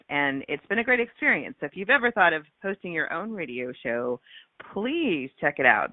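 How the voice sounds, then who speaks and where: A woman's voice: low-pitched, dry recording. A woman hosting a radio show, her voice a little scratchy from a cold, introducing her guest enthusiastically with frequent ums and uhs. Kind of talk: scripted guest introduction and chat. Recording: tinny phone-line sound.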